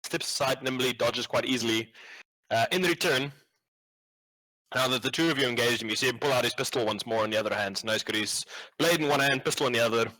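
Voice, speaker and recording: A man's voice: medium pitch, quick pace, sharp tone, low-quality recording. A man acting as game master, improvising tabletop game narration in a casual, sweary, slangy way.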